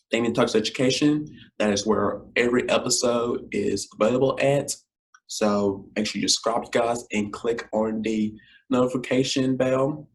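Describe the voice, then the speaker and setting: A man with a scratchy, somewhat deep voice hosts his own podcast while feeling unwell. He talks in a loose, rambling way, with lots of "um" and "you guys" aimed at his listeners. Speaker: podcast host. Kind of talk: casual solo podcast outro.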